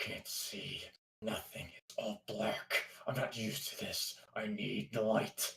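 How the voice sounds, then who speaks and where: A man puts on a growling character voice. He speaks at a fairly slow pace. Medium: actual play.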